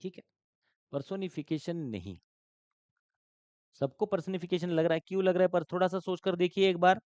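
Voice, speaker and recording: A man's voice: sits high, normal speed, a little mellow, no echo. Dry, dull-sounding teacher, a man. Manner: questioning, repeats terms, mixes English terms into Hindi. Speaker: exam-prep English teacher. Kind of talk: live online class.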